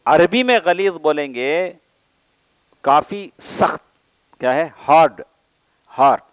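A man's voice: fairly high pitch, lively intonation, smooth, dry recording, rough recording. A man with an Indian Urdu accent giving a religious lecture, often asking his listeners a question and then answering it himself, and mixing Arabic quotations and English words into his talk. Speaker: Islamic scholar giving a lecture. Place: mosque or lecture hall.

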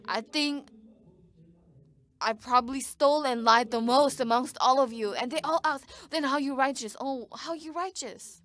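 A woman's voice: high voice, normal speed, fairly bright tone. A woman giving live interpretation of a sermon, speaking in short bursts with frequent restarts.

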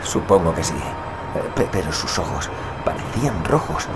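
A man's voice: deep voice, big pitch swings, moderate pace, noisy background. An actor playing an anxious, impatient stranded husband and father in an audio drama, agitated, demanding and prone to stammer. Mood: alarmed, unsure.

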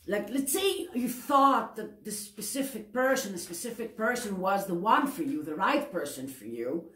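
Greek-accented woman, lively roomy tarot chat. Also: mid-range voice. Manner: chatty, self-correcting, asks the viewer "yes?". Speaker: tarot reader. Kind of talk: tarot reading to camera. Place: indoor room at a table.

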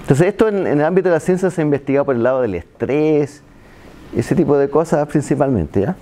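Man lecturing a class, mellow. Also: a little high, lively intonation, fairly quick. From Chile. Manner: conversational, asks "¿ya?" after nearly every point, self-deprecating asides. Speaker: university lecturer. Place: seminar room with projector and seated students. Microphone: handheld microphone, filmed by far camera.

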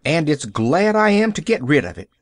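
A man's voice: fairly high pitch, sing-song, moderate pace, dry recording, clean studio sound, pitched above the performer's own voice. A man voicing a sour, gossipy country housemaid who grumbles in rustic dialect. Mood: sour grumbling.

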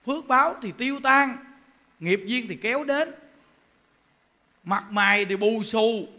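A man preaching a Buddhist sermon, emphatic and animated, full of rhetorical questions. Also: sits high.

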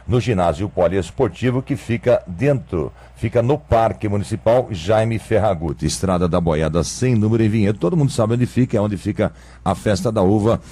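A man's voice: lowish voice, mellow, husky. A man with a Brazilian Portuguese accent hosting a radio interview, chatty with jokey asides. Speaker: radio host.

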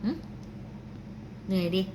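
A woman's voice: slow, background noise. A woman filming her cats at home, chatting to them fondly and scolding them like children. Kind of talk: casual vlog narration. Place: home indoors.

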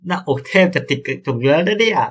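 A young man commentating as he plays a visual novel, excitable and swearing, sometimes stumbling over words. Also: high voice, fast, slightly rough. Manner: excitable, yelps and swears at scares; reads game lines aloud, stammering. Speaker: gameplay streamer. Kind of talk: casual let's-play commentary.

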